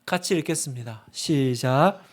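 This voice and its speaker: A male pastor preaching a sermon, asking rhetorical questions and building to emphatic, louder bursts. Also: mid-range voice, unhurried. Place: church sanctuary.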